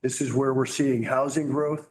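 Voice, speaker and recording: A man's voice: mid-range voice, fairly even intonation, moderate pace, a little mellow. A man speaking as a company executive, giving business commentary in answer to questions on an earnings call.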